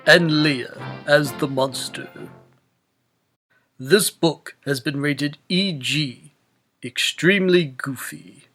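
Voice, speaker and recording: Higher-voiced man narrating over music. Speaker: storybook narrator. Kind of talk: scripted read-aloud narration.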